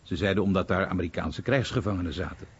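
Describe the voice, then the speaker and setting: A man playing an American war veteran who soberly recalls his bomber days in a radio drama monologue, in a husky voice. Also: low voice, fast. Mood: narrating. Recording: slightly dull radio recording.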